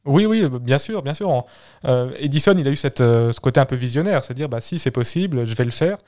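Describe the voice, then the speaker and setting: A man's voice: mid-range voice, lively intonation, quick pace, darkish tone. Man telling history in casual chat. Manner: explanatory storytelling, repeats words while thinking. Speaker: podcast co-host telling history.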